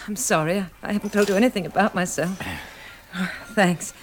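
A woman's voice: medium pitch, steady tone, brisk, natural voice. An actress playing a shaken, polite, well-bred young woman with an English accent in a 1960s radio drama, speaking hesitantly. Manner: hesitant, breathless restarts, polite. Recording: old radio recording, faint noise.

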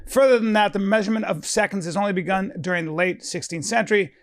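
A man's voice: sits high, quick pace, no room sound, clean studio sound. A man in casual chat, telling stories bluntly, with swearing and many restarts. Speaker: podcast co-host.

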